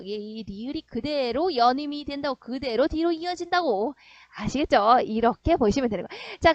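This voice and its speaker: High-voiced woman teaching, quizzing students. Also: no room sound. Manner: animated, quizzing students with rhetorical questions. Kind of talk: online grammar lesson. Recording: slightly dull, dry sound.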